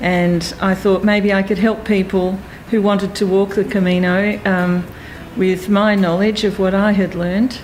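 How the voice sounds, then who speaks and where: Over noticeable background noise and audible room echo, a woman talks at a moderate pace in a medium pitch, her intonation monotone and flat and her loudness very even. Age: 60s. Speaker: author. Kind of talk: interview.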